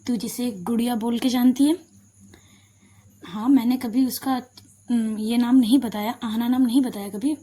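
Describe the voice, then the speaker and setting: Woman voicing a stern older sister, commanding, mellow tone, breathy edge. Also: fairly high pitch, steady tone, normal speed, long pauses, close to an everyday voice. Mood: explaining. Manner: commanding, scolding.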